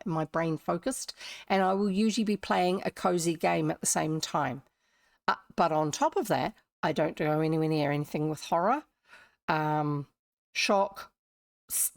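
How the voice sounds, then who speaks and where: A woman's voice: medium pitch, creaky, no room sound, clean studio sound. A woman with a New Zealand accent chatting casually and in a rambling way to viewers as a livestream host. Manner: chatty, rambling, self-interrupting asides. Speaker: livestream host who reads old books aloud.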